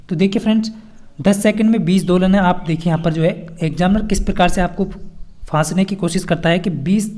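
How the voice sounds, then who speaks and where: A man's voice: high-pitched, mellow. A man teaching an exam-prep lesson, reading out quiz questions and explaining the answers with repeated key points.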